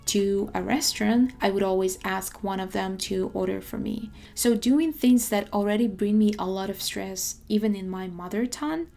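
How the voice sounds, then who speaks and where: A young Russian woman, a native Russian speaker, presents a semi-scripted language-learning video in a measured, articulate way. Her voice is medium-pitched and dark-toned, with vocal fry.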